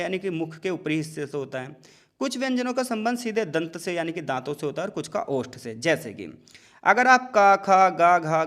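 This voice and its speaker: A man with a high voice teaches an exam-prep lesson. He explains patiently, repeats sounds aloud as examples and mixes English terms into his talk. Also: a bit bright. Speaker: tutor.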